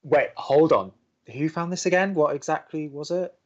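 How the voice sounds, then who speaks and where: A man's voice: fairly high pitch, moderate pace, lo-fi sound, close to an everyday voice. A man playing a sardonic, awkwardly romantic young college radio co-host with a dry manner, in a scripted audio drama. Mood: uneasy.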